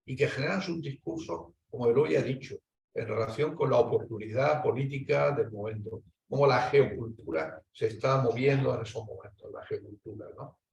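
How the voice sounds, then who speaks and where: Gravelly man debating in an echoey hall. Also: medium pitch, moderate pace, muffled recording. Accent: Spanish. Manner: discursive, hesitant restarts, animated rises. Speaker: academic panelist. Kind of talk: academic panel debate. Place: lecture hall. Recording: echoey hall, distant mic.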